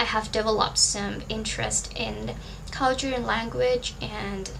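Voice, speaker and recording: Amid audible room echo and noticeable background noise, a woman speaks at a fairly slow pace in a Thai accent. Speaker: book vlogger. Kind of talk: casual vlog talk to camera. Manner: hesitant, many fillers.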